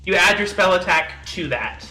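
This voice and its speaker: A man runs the table as game master, his voice bright and forward. He narrates loosely, stumbling through fillers and restarts. The room rings with echo, and soft music plays underneath. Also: sits high, expressive, moderate pace. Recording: echoey room with faint music.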